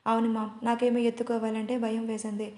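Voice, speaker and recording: A gentle, unsure young husband, voiced by a woman storyteller. He speaks softly and reassuringly in a high, level voice, with a roomy echo around it. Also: level tone, fast talker, natural voice.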